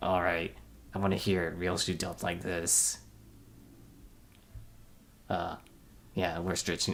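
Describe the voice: Using a put-on character voice, a man speaks very deep and low, raspy and fairly slow, with fairly even intonation and long, frequent pauses.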